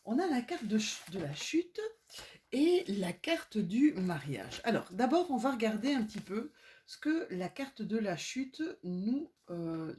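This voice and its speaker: A woman's voice: medium pitch, mellow, slight background noise. A French-speaking woman giving a casual oracle card reading at home, chatty and self-mocking, drifting off topic now and then. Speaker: astrology and oracle card reader.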